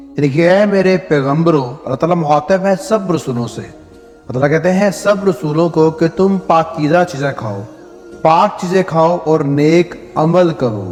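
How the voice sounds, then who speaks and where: Music plays in the background as a man talks. His pitch is fairly high, with ordinary variation. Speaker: Islamic preacher giving a religious talk. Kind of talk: religious sermon (bayan) in Urdu.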